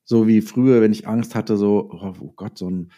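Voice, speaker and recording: A middle-aged man with a low, very mellow voice speaks in a conversational interview. He reflects as he goes, often breaking off and rephrasing mid-sentence. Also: fairly even intonation. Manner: halting, self-correcting, reflective storytelling. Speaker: interview guest, audio drama writer and author.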